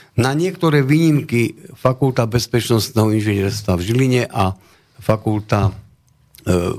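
In a plain, everyday voice, a man speaks at a moderate pace with lively intonation and very even loudness. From Slovakia, Liptovský Mikuláš. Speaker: civil protection association chairman, former ministry official. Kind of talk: studio discussion.

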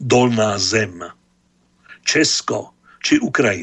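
A man is speaking. His voice has vocal fry. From Slovakia. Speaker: Lutheran pastor and emigrant. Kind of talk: interview.

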